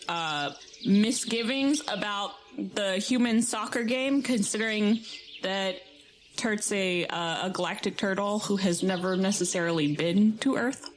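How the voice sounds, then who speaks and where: Woman, tabletop player, unhurried delivery, improvised recap, medium pitch, faint background noise. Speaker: player in a tabletop roleplaying game. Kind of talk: improvised recap of game events.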